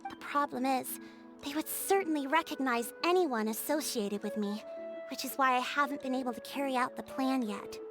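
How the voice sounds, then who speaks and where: A woman voicing a composed, diplomatic tribal chief in a video game, speaking in a polite, measured, formal way as she recounts legends and explains plans. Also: high voice, over music. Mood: calm. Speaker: tribe chief.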